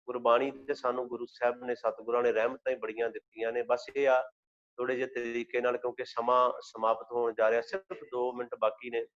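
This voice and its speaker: A man, teaching an online scripture class. He tells stories and recites verses slowly, heard over a video call. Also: medium pitch, flat delivery. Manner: storytelling, then slow recitation of verses. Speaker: Gurbani teacher. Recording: dull lo-fi video call audio.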